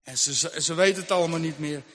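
Bright-voiced man telling a dramatic story. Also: a little high, fairly quick, a little hiss or hum. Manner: hushed, suspenseful, dramatic. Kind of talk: dramatic Christian story narration. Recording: long hall reverb.

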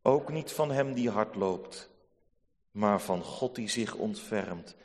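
A man preaching a sermon to his congregation, solemn and measured, rising to emphatic peaks. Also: on the low side, expressive, a little mellow. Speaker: pastor. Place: church. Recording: long church reverb.

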